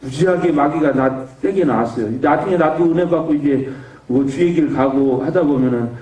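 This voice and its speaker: Man telling a lively church testimony, echoey hall. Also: a little high, normal speed, far from the mic. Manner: animated storytelling, acts out shouted quotes. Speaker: evangelist giving testimony. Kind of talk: testimony at a revival meeting. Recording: echoey hall, mic from afar.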